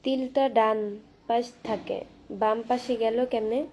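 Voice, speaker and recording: A young woman hosting a casual live stream from her phone, reading viewer comments aloud and chatting back in a soft, quiet voice. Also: fairly high pitch, steady tone, a little hiss or hum. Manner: soft-spoken, talking quietly and slowly. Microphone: phone camera.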